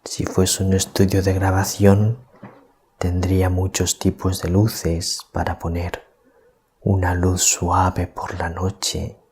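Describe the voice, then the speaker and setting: A priest from giving a calm, deliberate gospel reflection at night, keeping his voice down so as not to wake anyone. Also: deep voice, slight background noise. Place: small hermitage at night.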